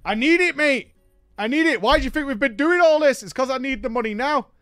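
A man's voice: extremely high pitch, lively intonation, fairly quick, a bit bright, smooth, no room sound, clean studio sound, faint music behind, pitched above the performer's own voice. A man putting on a pushy, clueless male gamer friend, whiny and insistent. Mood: pleading. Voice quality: whiny, insistent, says mate a lot.

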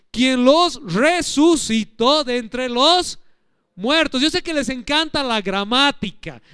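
High-voiced pastor preaching. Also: male voice, a bit bright, smooth, no echo, studio quality. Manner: teacherly, asks the congregation questions. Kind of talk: sermon. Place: church.

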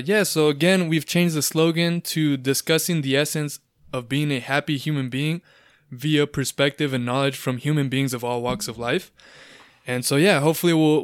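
Young guy hosting a chill podcast, smooth voice, dry close sound, rambles a lot. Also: medium pitch, dry recording. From Southern California. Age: 20s. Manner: chatty, rambling, upbeat. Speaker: podcast host. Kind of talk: casual podcast conversation.

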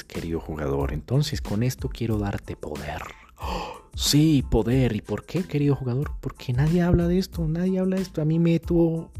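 A Colombian man talking casually in a storytelling monologue, full of crude slang, swinging between loud bursts and muttering. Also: medium pitch. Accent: Colombian Spanish. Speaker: vlogger.

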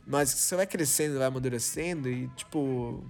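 A man in his twenties, from Brazil, hosting a podcast and telling a story in a slangy, animated way, acting out dialogue with lots of restarts. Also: medium pitch, normal speed, creaky, soft background music. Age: 20s. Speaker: podcast host. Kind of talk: casual storytelling monologue.

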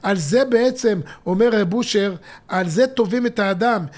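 A middle-aged man with a high voice co-hosts a podcast as a father, teaching religious texts. His delivery is expressive, swinging from emphatic to hushed and intimate.

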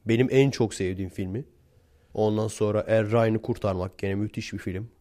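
Chatty mellow-voiced man from Turkey. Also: fairly low pitch, steady tone, normal speed. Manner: chatty and blunt, slangy, chuckles between points. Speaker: vlogger. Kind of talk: casual storytelling monologue to viewers.

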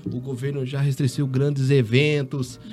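A man's voice: medium pitch, little pitch movement, measured pace, music in the background. A man, a wedding photographer, telling a story animatedly in casual chat.

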